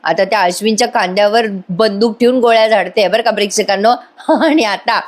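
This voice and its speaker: A woman reviewing a TV serial in lively casual commentary, excited and dramatic, addressing her viewers. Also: mid-range voice, fairly quick.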